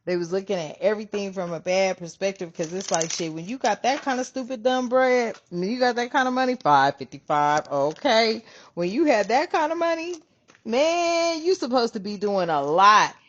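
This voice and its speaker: A woman host giving a casual spiritual reading, animated and profane, calling her viewers family. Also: medium pitch, normal speed, lo-fi sound, slight background noise. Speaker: spiritual reader, channel host.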